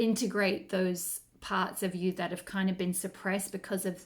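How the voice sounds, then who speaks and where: On a very clean recording with a silent background, a woman with a somewhat breathy voice talks at medium pitch and a moderate pace, her intonation monotone and flat. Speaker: tarot reader and holistic healer. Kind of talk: tarot reading channelled message.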